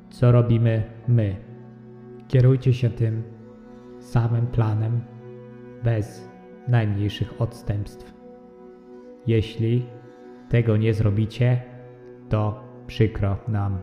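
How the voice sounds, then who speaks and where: A man voicing an intelligent yogurt that rules with calm, cold superiority in a measured, formal, commanding way for an audio drama. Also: on the low side. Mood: cold menace. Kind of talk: audio drama character acting. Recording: muffled, long echoing reverb, faint music behind.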